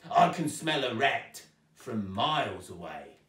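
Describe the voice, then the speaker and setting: A man's voice: mid-range voice, sing-song, takes it slowly, a bit bright. A man voicing a sinister, grubby rat catcher from a storybook, creepily polite and sneering, in a roomy recording. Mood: sneering menace. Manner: sneering, oily, menacing. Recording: roomy echo, distant microphone.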